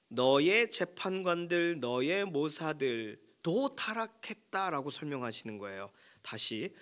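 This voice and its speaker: Preaching pastor, fairly high-voiced man. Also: fairly bright tone. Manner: rhetorical questions, emphatic preaching. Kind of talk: sermon. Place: church prayer room.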